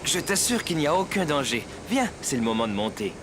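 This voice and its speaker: A man playing a patient, encouraging father who gently reassures his small boy in a children's cartoon. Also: on the high side, sing-song, brisk, noisy background. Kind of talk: animated children's cartoon acting.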